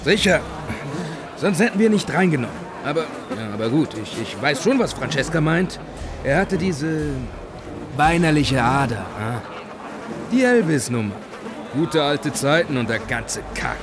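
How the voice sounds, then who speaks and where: A man in a radio drama playing a gruff, crude manager who rambles on. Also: fairly high pitch, big pitch swings, measured pace, over music.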